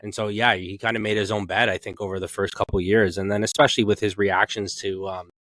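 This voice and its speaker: A man with a fairly low voice talks casually as a podcast co-host. He rambles in everyday language and acts out little quotes, recorded close and dry. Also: little pitch movement, fast, fairly bright tone, dry recording. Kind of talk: casual sports chat.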